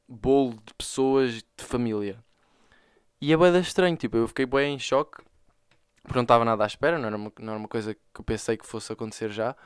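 A young man from Portugal with a European Portuguese accent chats on his own podcast, slangy and joking as he tells stories. He talks quickly in a smooth, clear voice. The recording is dry and close. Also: medium pitch, no room sound. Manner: slangy, joking, excitable storytelling. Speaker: podcast host. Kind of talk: casual solo podcast monologue.

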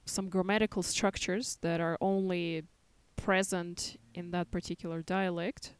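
Russian woman teacher chatting as guest, low-ish voice, thoughtful, laughs a lot. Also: little pitch movement, smooth, no room sound. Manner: modest, laughs often, thoughtful pauses. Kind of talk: casual interview chat.

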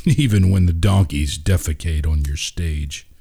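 A man voicing a wistful, wryly humorous widowed man of the theatre in a storybook, slow and musing. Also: low voice, creaky, mellow, breathy edge, pitched below the performer's own voice, exaggerated voice. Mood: wry, amused. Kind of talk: storybook dialogue reading.

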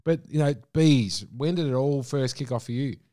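A man's voice: medium pitch, normal speed, mellow, no echo, clean studio sound. A man hosting a podcast, effusive and piling on superlatives as he introduces and questions his guest. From Australia. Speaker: podcast host. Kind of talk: enthusiastic podcast interview. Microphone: remote call.

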